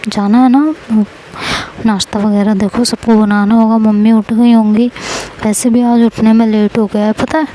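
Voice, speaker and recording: A woman's voice: on the high side, little pitch movement, normal speed, warm tone, a little hiss or hum, lightly acted, low-quality recording. A woman voicing a teasing, stubborn young wife in a spoken story, playful and bickering.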